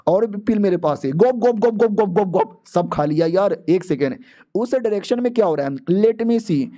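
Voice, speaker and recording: A man's voice: high voice, lively intonation, normal speed, mellow. A man voicing a cheeky, boastful young male hero in a comic story recap. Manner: brash, teasing, slangy.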